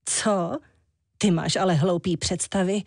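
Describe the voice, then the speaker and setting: A woman's voice: lowish voice, fairly even intonation, gravelly, darkish tone, dry recording, clean studio sound. A woman doing a chirpy vain young woman. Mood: dismissive. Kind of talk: children's audiobook.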